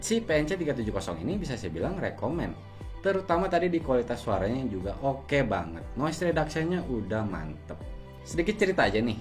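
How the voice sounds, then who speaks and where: A male review host talks in a conversational, explanatory manner. His pitch is ordinary for a man. Light music plays faintly behind him as he walks viewers through his opinion in casual language. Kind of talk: casual scripted-feel gadget review to camera.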